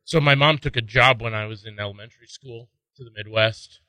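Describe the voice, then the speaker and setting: A man's voice: mid-range voice, brisk, sharp tone, no echo, rough recording. A man in his forties, a pastor and interview guest, answering thoughtfully and a little hesitantly. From San Francisco Bay Area, raised in Indiana. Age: 40s.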